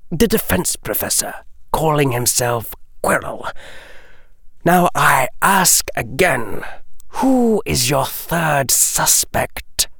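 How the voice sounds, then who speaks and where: A cold, aristocratic wizard lord speaks in a soft, slow, whispery drawl, as a male audiobook reader puts him on. His pitch glides up and down with sly menace. The recording is dry and close. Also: expressive, creaky, husky, no echo, exaggerated voice. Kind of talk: audiobook character voice.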